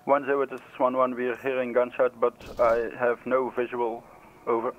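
A male patrol leader makes radio reports in a military role-play game. His mid-pitched voice stays very even, with formal, deliberate procedure, and the channel is noisy and clicking. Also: muffled recording.

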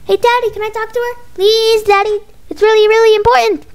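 An insistent little child acted by a woman in a storybook, with an extremely high, squeaky voice. The delivery is pleading and repetitive, nagging a parent without letup. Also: little pitch movement, a little fast. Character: pestering, insistent small child begging a parent.

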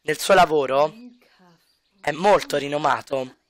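A man's voice: on the high side, unhurried, no room sound. A man giving casual, joking commentary on a life-sim game, speaking to his viewers with wry asides. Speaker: let's play commentator.

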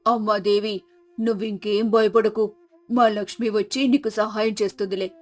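A woman voicing a calm, commanding older village mother-in-law. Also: medium pitch, normal speed, pitched below the performer's own voice, lightly acted. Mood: calm, assured. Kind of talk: moral storybook character voice. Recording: music behind the voice.

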